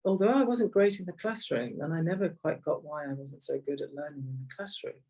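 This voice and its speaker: A woman's voice: sits low, expressive, brisk, warm tone, distant mic, poor audio. A middle-aged woman with an English accent tells personal stories conversationally, reflective and repeating phrases for emphasis. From Kenya, later rural England. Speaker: interview guest, executive coach.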